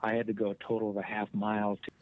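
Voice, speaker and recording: Flat-toned mature man, dull recording. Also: fairly low pitch, very fast, dry recording. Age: middle-aged or older. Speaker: witness telling an account. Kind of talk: rambling first-person storytelling. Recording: dull, dry audio with faint music.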